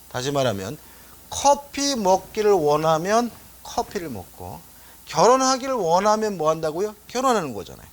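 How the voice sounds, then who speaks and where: A middle-aged man teaches law for an exam course in a conversational way. His pitch rises and falls a great deal. He keeps asking the class rhetorical questions. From Seoul, South Korea. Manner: chatty, asks rhetorical questions, tells anecdotes. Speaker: law lecturer. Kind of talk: exam-prep lecture.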